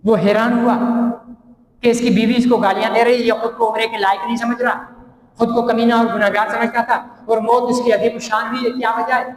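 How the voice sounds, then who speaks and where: A man's voice: extremely high pitch, little pitch movement. A man with a Pakistani accent preaching a sermon, telling a story and asking the crowd rhetorical questions. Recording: echoey hall with long reverb.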